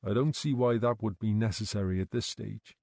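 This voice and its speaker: A man playing a patient, gentle detective. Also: fairly low pitch, creaky, dry recording, clean studio sound. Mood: calm. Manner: gentle, measured questioning. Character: calm, patient male detective.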